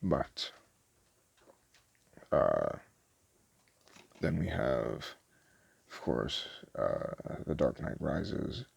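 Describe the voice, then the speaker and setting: A soft-spoken man doing a casual ASMR roleplay as a store clerk, chatting in a hesitant, rambling way. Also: very deep voice, big pitch swings, extremely slow, gravelly, pauses often, slight background noise.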